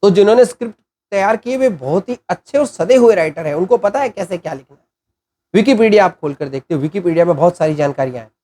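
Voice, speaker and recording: A man talks through an informal lesson at a measured, deliberate pace. He poses questions to his listeners and answers them himself, sometimes pausing to clear his throat. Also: high-pitched, animated, dark tone. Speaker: channel host explaining content writing.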